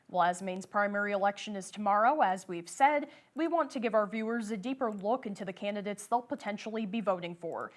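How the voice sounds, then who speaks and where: A woman news anchor reading scripted morning news in a measured, even way. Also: mid-range voice.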